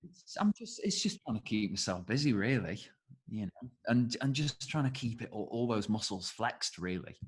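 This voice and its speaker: A man's voice: lowish voice, sing-song, moderate pace, husky. A British man chatting casually as an interview guest, speaking as a voice actor would about his work.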